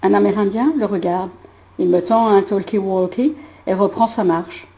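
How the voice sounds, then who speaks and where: Woman putting on a low gruff actor guy reading lines dead flat, sketch bit. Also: slight background noise, natural voice. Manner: slow flat monotone reading. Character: male actor reading film lines stiffly, flat and deep.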